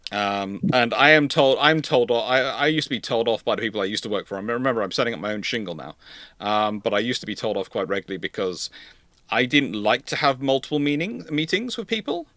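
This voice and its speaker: Bright-voiced man explaining, dry close sound. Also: medium pitch, expressive, fairly quick, dry recording. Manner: hesitant repetitions, emphatic restating. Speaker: host of a naval history livestream, consultant. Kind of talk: live question-and-answer talk, explaining.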